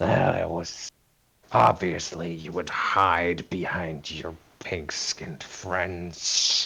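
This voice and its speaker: A man does a put-on character voice, growling very slowly at a very deep, low pitch. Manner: sneering, contemptuous.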